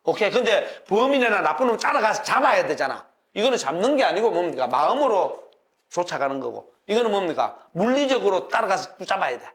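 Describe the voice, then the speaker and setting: Animated, high-voiced older male lecturer. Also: brisk. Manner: folksy, animated teaching with frequent "okay?" checks and chuckles. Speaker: university professor lecturing on classics. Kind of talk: classroom lecture.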